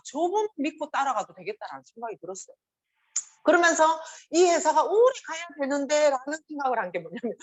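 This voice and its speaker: Animated husky woman with a Gyeongsang accent. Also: a little high. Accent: Gyeongsang Korean. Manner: animated, acts out quoted voices. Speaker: motivational speaker. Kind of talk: motivational seminar talk.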